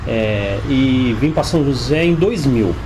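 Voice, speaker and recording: A man's voice: medium pitch, expressive, a little slow. A man in his forties with a São Paulo Brazilian accent, answering conversationally as a sales coach being interviewed. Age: 40s. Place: inside his home. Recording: clear background noise, ambience.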